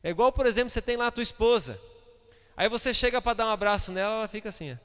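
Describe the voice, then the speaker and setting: A man, preaching a sermon as pastor, swinging between loud outbursts and hushed asides. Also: sits high, rapid-fire, smooth. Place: church sanctuary. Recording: reverberant church hall.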